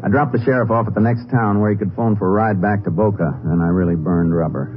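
A male actor playing a steady, methodical Texas Ranger in a 1950s radio western, speaking in a measured, businesslike way. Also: lowish voice, over music, lightly acted. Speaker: lead actor and narrator. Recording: muffled, noisy 1950s radio recording.

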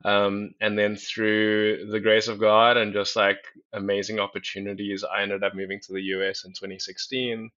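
Low, flat-voiced man from South Africa. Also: moderate pace, few pauses. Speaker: guest. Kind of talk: casual podcast chat. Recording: dull lo-fi sound.

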